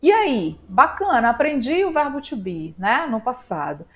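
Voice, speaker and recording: A Brazilian woman teaching an online language lesson. She stretches out her model words slowly and checks in often with "tá?". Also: a little high, sing-song, fairly bright tone. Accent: Brazilian Portuguese. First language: Portuguese. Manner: slow drawn-out model words, frequent "tá?". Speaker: English teacher. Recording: slightly dull lo-fi sound.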